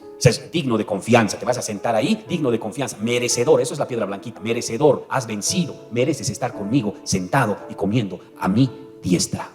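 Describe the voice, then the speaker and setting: A male pastor delivers a rapid sermon, building from plain talk to dramatic peaks. His voice carries a long reverb from the church hall, with faint music behind him. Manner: preaching with dramatic rises in pitch and volume.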